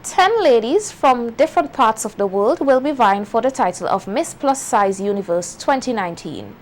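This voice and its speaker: A woman reading a scripted news bulletin in a measured, formal way. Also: fairly high pitch, lively intonation, a little hiss or hum. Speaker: news anchor.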